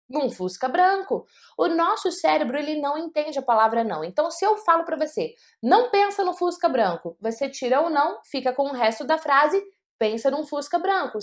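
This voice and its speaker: A woman teaching public speaking tips, talking straight to the viewer with emphatic points and rhetorical questions. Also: high voice. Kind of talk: motivational teaching talk.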